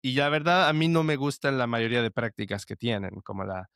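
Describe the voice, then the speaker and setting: A man's voice: mid-range voice, lively intonation, brisk, a bit bright, smooth, no echo, clean studio sound. A young man telling his story as a podcast guest, earnest and full of restarts. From El Salvador. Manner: earnest, with frequent restarts and fillers like "este". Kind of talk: conversational testimony.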